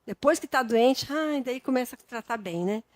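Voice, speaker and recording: A woman's voice: on the high side, expressive, moderate pace, no echo. A woman with a Brazilian Portuguese accent preaching a sermon in a homely, conversational way, with frequent tag questions.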